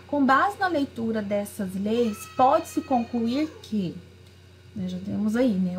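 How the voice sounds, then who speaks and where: A woman teacher with a fairly high voice reads worksheet questions aloud and then explains each answer. She talks through them in a relaxed way and fills gaps with small tags. She recorded it as a video lesson over an on-screen page. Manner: frequent fillers like "né" and "aí". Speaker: literature teacher.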